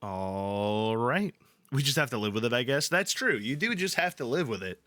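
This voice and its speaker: Bright-voiced man, playful streamer. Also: mid-range voice, lively intonation, moderate pace, no room sound, studio quality. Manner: playful, irreverent, profane, jokey. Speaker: livestream host reading aloud to an audience. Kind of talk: casual livestream chat and live reading of epic poetry. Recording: background music under the voice. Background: ambient background music.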